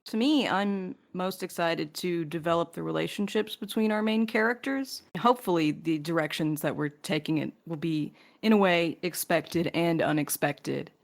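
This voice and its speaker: A woman with a voice a little on the low side co-hosts a podcast. She talks in a casual, conversational Q&A style. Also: moderate pace, creaky, hardly any pauses. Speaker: podcast co-host and writer.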